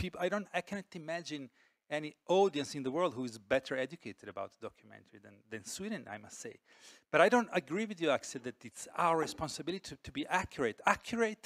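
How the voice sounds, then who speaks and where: Speaking at a very fast pace in an Italian accent, a man with a fairly high pitch makes very wide pitch swings and big swings in loudness, in a dry, close sound with no echo. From Italy. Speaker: documentary film director and professor. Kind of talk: panel discussion.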